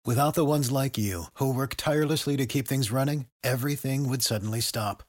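A man's voice: mid-range voice, a little fast, dry recording, clean studio sound. A man reading a scripted commercial as an announcer. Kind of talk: scripted ad narration.

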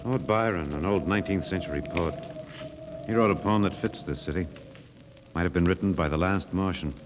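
A man's voice: low-pitched, a little fast, over music, lightly acted. An actor playing a solemn, poetic, idealistic spaceman in a 1950s radio drama, reflective in manner. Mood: solemn recitation. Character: brooding, poetic, idealistic spaceman awed by a dead city.

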